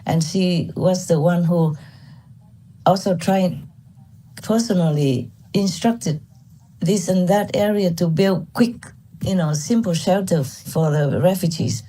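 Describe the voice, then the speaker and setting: Woman from Vietnam, spiritual teacher; candid, animated storyteller; mellow, husky tone. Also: fairly low pitch, takes it slowly. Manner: candid, laughs often, animated. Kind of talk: storytelling talk to disciples.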